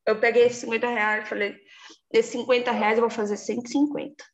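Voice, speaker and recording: A woman, giving a lively casual testimonial and acting out her own past words. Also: on the high side, a little fast, highs cut off.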